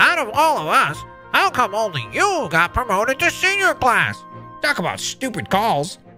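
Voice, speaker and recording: A woman does a nasal put-on character voice, fairly high-pitched, swinging very widely in pitch at a moderate pace, with clear music in the background. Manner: whiny, complaining.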